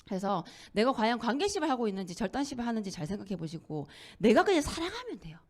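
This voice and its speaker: Middle-aged woman, motivational speaker, higher voice with a lively swinging pitch, acts out the quotes. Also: quick pace. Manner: animated, acts out quoted dialogue, laughs often. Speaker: network marketing speaker. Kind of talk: motivational lecture.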